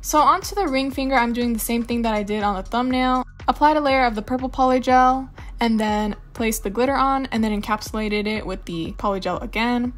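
A woman's voice: on the high side, a little fast. A young woman chatting casually in a voice-over for her nail tutorial, rambling into asides and laughing often. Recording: voice-over with faint music.

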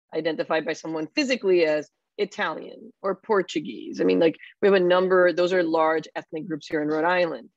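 A woman's voice: deep voice, no echo. A woman in her fifties from Puerto Rico, an elected official, speaking candidly and reflectively on a panel over a video call. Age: 50s. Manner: candid, reflective, frequent "you know". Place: home room with bookshelves, indoors. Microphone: video call webcam. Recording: dull, dry webcam audio.

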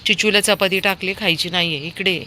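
A woman filming outdoors, coaxing and urging her dog with quick high calls. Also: steady tone, bright, forceful tone, slight background noise. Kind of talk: casual talk to a dog.

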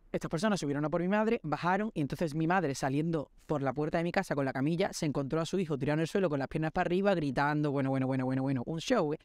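A man in his twenties with a Spanish accent, a podcast host telling a personal story with animated, self-mocking drama while walking outdoors at night. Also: on the high side, no room sound, studio quality. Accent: Spain Spanish. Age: 20s.

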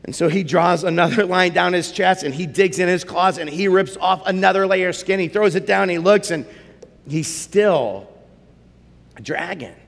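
Animated preacher in a reverberant hall. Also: male voice, moderate pace, gravelly. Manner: animated storyteller, rising for action and dropping low for quiet moments. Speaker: pastor. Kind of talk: sermon storytelling. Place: church auditorium.

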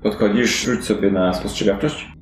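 A low-pitched man acts as game master, improvising scenes conversationally with some halting phrasing. The room is echoey and there is a little noise behind him. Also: fairly even intonation. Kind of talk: improvised narration of a fantasy detective tabletop game. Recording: roomy echo, audible background noise.

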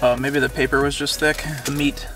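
A man's voice: medium pitch, little pitch movement, brisk, over music. A young man chatting casually as a food vlogger from inside a car, filmed by a dashboard camera. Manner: upbeat, conversational, reviewing food. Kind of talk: casual vlog chat.

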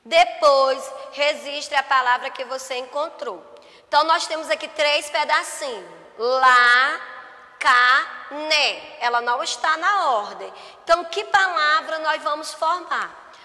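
A woman's voice: high voice, animated, pushed and bright, long reverb tail. A woman teaching a first-grade class with a Brazilian Portuguese accent, patiently stretching out each word and sound for young children. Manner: patient, drawn-out words, spelling sounds slowly for children. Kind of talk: remote lesson for first graders.

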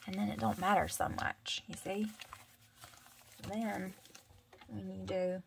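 A woman with a thick Southern US accent talks her way through a craft project in a loose, rambling vlog chat. She tends to mutter and mumble as she works, at an ordinary mid pitch. A faint hiss sits under her voice. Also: level tone, takes it slowly, vocal fry. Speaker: crafter vlogger. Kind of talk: casual craft tutorial chat.

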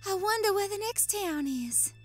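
A woman's voice: extremely high pitch, expressive, moderate pace, soft background music. A woman playing a plucky, defiant young heroine in an audio drama, with a folksy Southern US accent and a feisty manner. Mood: earnest.

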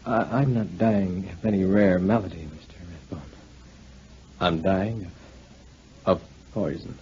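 A man playing a weary, dying husband with halting, resigned speech in a 1940s radio play. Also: low-pitched, a little mellow. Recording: dull, noisy 1940s radio recording.

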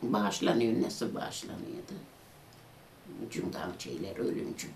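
A woman's voice: extremely low pitch, measured pace, noisy background. An older woman tells a personal story in an interview and acts out the voices of the people in it. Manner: vivid retelling that acts out quoted voices. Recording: echoey room with music underneath.

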